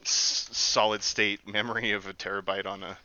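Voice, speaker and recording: Casual podcast co-host, male, very bright crisp tone, dull dry sound. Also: lowish voice, level tone, moderate pace. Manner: rambling, many restarts and fillers. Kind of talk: casual group chat.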